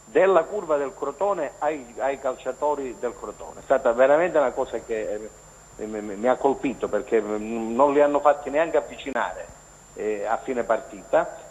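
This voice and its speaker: Heard through an echoey, hissy phone line, a male journalist with a mid-range, slightly mellow voice talks at normal speed. He's calling in to a TV sports show, giving loose, casual commentary with many fillers and restarts.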